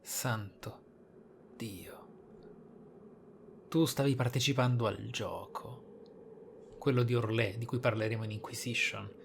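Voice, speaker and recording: A man's voice: mid-range voice, steady tone, unhurried, creaky, pauses often, a little hiss or hum. A man giving theatrical, exclamatory gameplay commentary as a streamer. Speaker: gaming streamer. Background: game music.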